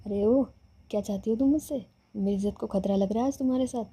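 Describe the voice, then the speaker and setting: A woman voicing a stubborn young woman who gently protests to her lover, speaking softly. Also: mid-range voice, fast, slightly rough. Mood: protesting.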